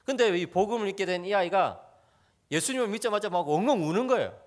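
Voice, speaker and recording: A man's voice: high-pitched, animated, fast. A man preaching a sermon in a church, telling stories with animation and often calling out to the congregation. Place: church sanctuary.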